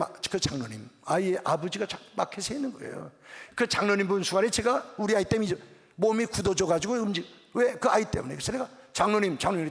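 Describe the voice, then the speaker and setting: In a church sanctuary with a reverberant hall sound, a middle-aged pastor preaches a revival sermon in a high-sitting voice with vocal fry. He tells stories with animation and acts out the dialogue.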